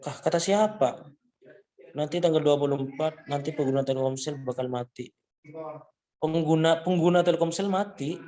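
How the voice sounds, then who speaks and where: A man's voice: a little high, normal speed, pauses often, warm tone. Casual man teaching an online class. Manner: casual, repetitive, addresses students as antum. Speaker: Arabic teacher. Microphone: video call.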